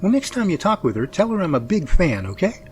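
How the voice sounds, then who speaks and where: A man's voice: high voice, big pitch swings, fairly quick, slight background noise. A man playing an easygoing field researcher who coaxes playfully, in an amateur audio drama. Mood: appreciative.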